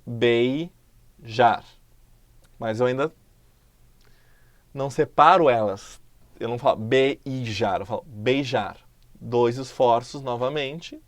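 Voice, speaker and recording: A man's voice: mid-range voice, no room sound. Brazilian man teaching in a dry room. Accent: Brazilian Portuguese. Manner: explanatory, stretches example words slowly and loudly. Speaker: Portuguese teacher. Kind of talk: recorded video lesson.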